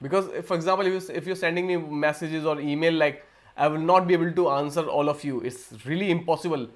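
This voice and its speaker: A man's voice: on the high side, steady tone, fast talker. Indian man hosting a rambling livestream. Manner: rambling with frequent restarts and repeated words. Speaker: livestream host. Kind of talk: casual live Q&A talk.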